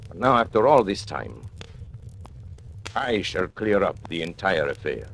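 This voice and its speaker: A sinister confidential agent who taunts his former employers with mocking menace. The voice is very deep and theatrical, in old-time radio style. Faint hiss sits under the recording. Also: sing-song, measured pace, vocal fry, fairly bright tone, full character voice. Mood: menacing. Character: sinister male confidential agent turned blackmailer. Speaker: narrator. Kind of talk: 1940s radio acting.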